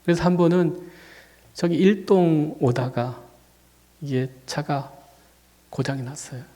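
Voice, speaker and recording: Fighting a cold and feeling dizzy, this male senior pastor tells a personal story from the pulpit of a church sanctuary. His slightly high voice is warm and unhurried, mostly conversational but rising emphatically at the key moments. Long church reverb fills the recording.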